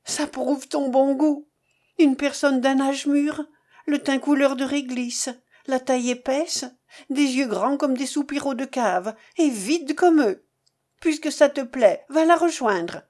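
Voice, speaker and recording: A woman voicing a young kept woman in a storybook reading, shrill and emotional. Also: slow, a little mellow. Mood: spiteful. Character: young kept woman, pleading then spiteful.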